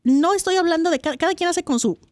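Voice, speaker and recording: A woman actress with a Mexican accent, talking as a guest in a casual interview, expressive and often restarting her sentences. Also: extremely high pitch, quick pace, no echo, clean studio sound. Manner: animated and expressive, with frequent restarts.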